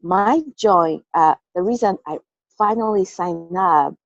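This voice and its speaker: Interviewed on a team call, a woman from Taiwan speaks slowly in a low, gravelly voice, candidly recounting her story with halting restarts and repeated "okay" fillers. There's no echo, but the call recording sounds dull and lo-fi.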